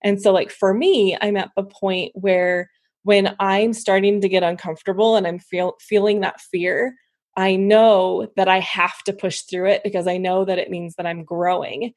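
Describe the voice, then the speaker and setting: A woman's voice: medium pitch, fairly even intonation, moderate pace, a little mellow. A woman hosting a podcast, talking reflectively with frequent fillers. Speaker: podcast host. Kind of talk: casual interview chat.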